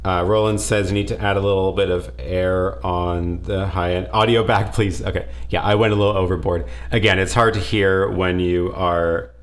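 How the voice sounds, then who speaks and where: A man with a notably low, deep voice hosts a live question-and-answer stream from his home studio. He talks in a relaxed, easygoing way, thinking aloud and often restarting his sentences. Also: normal speed, hardly any pauses. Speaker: livestream host answering viewer questions. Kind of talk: casual live Q&A. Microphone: headset or desk mic with headphones.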